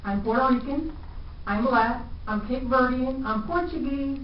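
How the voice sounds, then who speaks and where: A woman's voice: high voice, measured pace. A woman giving an emphatic, defiant statement at a press conference. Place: press club room. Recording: echoey room, distant mic, dull lo-fi, noisy.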